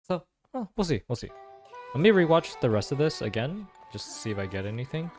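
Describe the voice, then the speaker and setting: A man's voice: medium pitch, very animated, brisk, darkish tone, soft background music. A man giving casual game reaction and analysis commentary, musing aloud with lots of questions and informal slang. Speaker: reaction video host.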